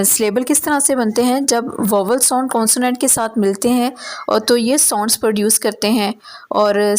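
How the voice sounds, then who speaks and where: A woman English teacher giving a recorded lecture on phonetics, explaining step by step, reading definitions slowly and often checking that students follow. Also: a little high, darkish tone.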